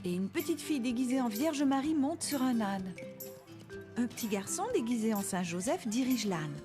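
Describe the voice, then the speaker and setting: A woman playing a gentle, encouraging young mother in a children's cartoon, speaking patiently and expressively as if to a small child. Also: on the high side, lively intonation, moderate pace, close to an everyday voice. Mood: warm, explaining. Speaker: voice actress. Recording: music behind the voice.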